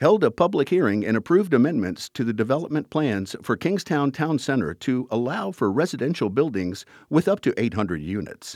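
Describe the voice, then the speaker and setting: Talking at a fairly quick pace with hardly any pauses, a man with a medium pitch, vocal fry and very wide pitch swings sounds dry and close with no echo in a very clean recording with a silent background. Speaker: podcast announcer. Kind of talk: formal news-style reading of meeting highlights, scripted. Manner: formal; measured, even-paced, neutral delivery.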